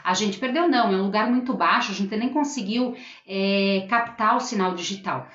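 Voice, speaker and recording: A woman's voice: mid-range voice, normal speed, a bit bright, reverberant, dull audio. Earnest woman hosting a home live stream. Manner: earnest, addresses viewers and reads their comments aloud. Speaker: live stream host, school teacher. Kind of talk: casual live stream talk to viewers.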